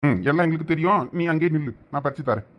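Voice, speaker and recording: A man's voice: fairly high pitch, very fast, heavy background noise, close to an everyday voice. A man voicing a devoted, anxious young husband in a cartoon, muttering grumbling asides in a Thoothukudi Tamil accent. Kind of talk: cartoon voice acting. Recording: dull lo-fi audio.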